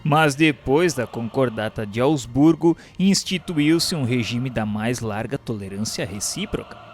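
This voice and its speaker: A man with a Brazilian accent reads scripted historical narration in a formal, solemn, measured delivery. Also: medium pitch, expressive. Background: music bed.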